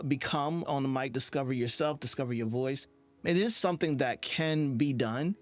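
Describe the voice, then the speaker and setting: A male podcast host talks in a conversational interview manner. His voice sits at a medium pitch, with faint music underneath.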